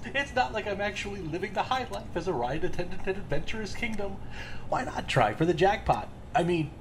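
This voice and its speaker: A man's voice: sits high, expressive, fairly quick, background noise. A man playing a chatty, volatile serial killer in an audio drama, rambling with casual menace and demanding answers. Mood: gleeful, boastful.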